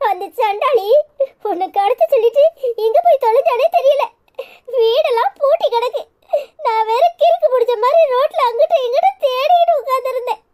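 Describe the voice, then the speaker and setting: A woman's voice: high voice, darkish tone, natural voice. A woman voicing a fierce, tearful village mother in a cartoon, with a Tirunelveli Tamil accent. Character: emotional, fiery village mother. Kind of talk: cartoon voice acting.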